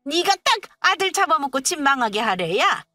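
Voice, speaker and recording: Brief: contemptuous, lecturing mother-in-law, put on by the narrator, lively pitch, dry mic. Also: normal speed, no room sound, soft background music, heavily acted. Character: haughty domineering older mother-in-law.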